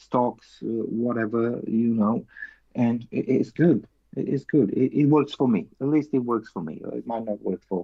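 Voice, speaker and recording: Speaking with a non-native accent, a man talks at a fairly slow pace with ordinary pitch variation. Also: medium pitch for a man. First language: not English. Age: 40s. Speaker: channel owner, precious metals stacker. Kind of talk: casual chat.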